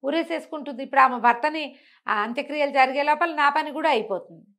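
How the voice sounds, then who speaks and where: Expressive woman storyteller. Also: high voice, fast talker. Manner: expressive, acts out dialogue, repeats phrases for emphasis. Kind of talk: conversational oral storytelling of a moral folk tale.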